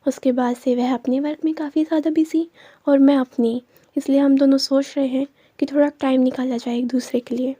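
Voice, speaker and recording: A woman's voice: high-pitched, little pitch movement, fairly quick, mellow, no echo, lightly acted. A woman voicing a bossy, caring young woman who teases and gives orders, read in a storytelling voice. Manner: teasing and commanding.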